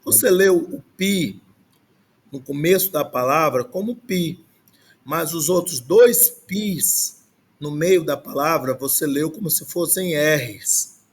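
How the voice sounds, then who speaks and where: Slow, patient male language teacher. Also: on the high side, husky. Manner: slow, patient explaining with frequent "né?". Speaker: Greek teacher. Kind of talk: online language class.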